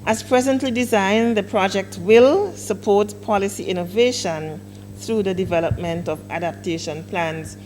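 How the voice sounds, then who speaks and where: A woman official giving a formal public address at a launch event, speaking deliberately with emphatic stresses. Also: medium pitch, darkish tone, slight background noise, low-quality recording. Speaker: government director speaking at a launch.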